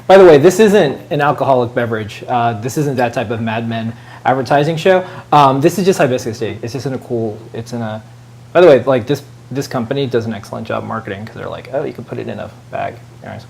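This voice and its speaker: A man's voice: mid-range voice, animated, fast, creaky, a little mellow. A man co-hosting a show in casual chat, rambling along with many fillers and side remarks. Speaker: show co-host.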